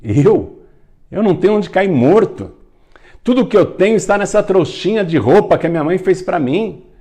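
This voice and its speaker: A man's voice: medium pitch, very animated, slow, vocal fry, mellow, heavily acted. A man voicing a frightened, poor sixteen-year-old farm boy who pleads through sobs. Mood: incredulous. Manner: sobbing, pleading.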